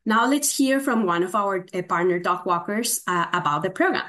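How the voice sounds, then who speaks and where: A woman's voice: mid-range voice, fairly bright tone. Spanish-accented woman presenting with many fillers. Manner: frequent "uh" fillers, measured delivery. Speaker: state agency program presenter. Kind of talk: formal presentation to a commission.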